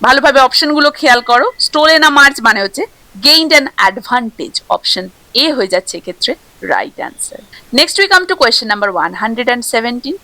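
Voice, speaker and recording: A woman teacher with a Bengali accent works through exam questions one after another. Her voice sits a little high and bright, with lively ups and downs. The sound is dry and close. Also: no room sound, low-quality recording. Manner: reads questions slowly in English, explains quickly in Bengali.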